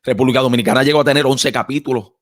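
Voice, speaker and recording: A man's voice: medium pitch, fairly even intonation, very fast, crowd noise. A Puerto Rican man hosting a podcast conversation, talking casually and with animation, repeating phrases and dropping frequent slang. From Puerto Rico. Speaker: podcast host and author.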